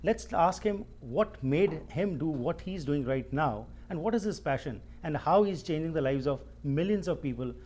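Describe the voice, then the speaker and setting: A man hosting his own talk show, who introduces guests and asks long questions in a formal, measured way. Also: a little high, animated, a little mellow, a little hiss or hum.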